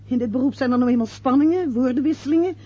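An actress playing a domineering, practical middle-aged show-business mother and hostess in a Dutch radio play, with a brisk, theatrical manner. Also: sits high, warm tone, slightly rough. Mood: sharp, reproachful. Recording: dull lo-fi radio play recording.

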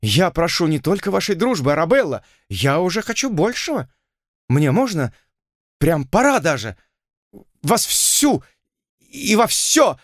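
A man's voice: on the high side, sing-song, unhurried, long pauses, no room sound, clean studio sound, voice pushed up, exaggerated voice. A man voicing a smug, lecherous aristocratic envoy who talks in a languid, self-satisfied and pompous way. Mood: whining.

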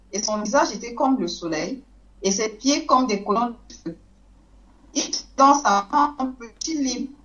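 A woman reading scripture aloud in a church teaching, steady and careful. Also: a little high. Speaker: Bible reader. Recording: dull lo-fi sound.

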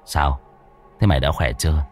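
A man voicing a blunt, gruff man who scolds his frightened friend. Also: a bass voice, moderate pace, faint music behind, voice pushed down. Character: gruff irritated older-brother type man.

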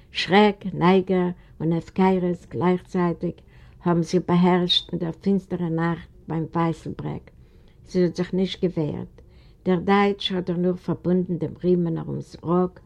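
A woman from Eastern Europe narrates a storybook in a low, gravelly voice. Her reading is steady and deliberate. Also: highs cut off. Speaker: audiobook reader.

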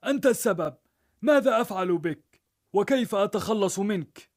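A man voicing a stingy, middle-aged male perfume seller who shouts in fury, in a told story. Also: a little high, rapid-fire, voice pushed up, close to an everyday voice. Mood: enraged. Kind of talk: storybook narration.

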